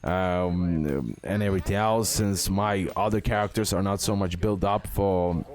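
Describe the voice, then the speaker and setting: Male gaming host, lower register, casual and emphatic, repeats key phrases while explaining to viewers. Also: unhurried, a little mellow. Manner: repetitive, emphatic, addresses viewers as guys. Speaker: gaming content creator, host. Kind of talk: casual game guide and gameplay commentary.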